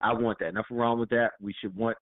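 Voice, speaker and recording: A man's voice: on the low side, fairly even intonation, fast talker. Blunt man talking over a phone line. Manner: blunt, plain-spoken, agreeing with short interjections. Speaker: podcast co-host. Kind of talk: casual political discussion. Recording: tinny phone-line sound.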